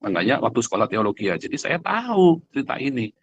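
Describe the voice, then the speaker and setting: A man's voice: medium pitch, sing-song, fast talker, breathy edge, dry recording, muffled recording. A man preaching in a conversational, blunt and emphatic way, addressing listeners directly and asking rhetorical questions. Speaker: preacher, pastor. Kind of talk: conversational livestream sermon.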